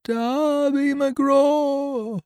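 A dead pirate's ghost, thin and trembling. The words come slow and wailing, pitched far above his own voice. It is a storybook haunting, drawn out and eerie. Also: steady tone, a little mellow, no echo, studio quality, full character voice.

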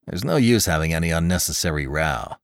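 A stern young policeman, as a man voices him, curt and businesslike, in a low voice with a lively lilt. Recorded close and dry. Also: brisk, gravelly, no room sound. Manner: curt, official. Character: young stern male constable, impatient.

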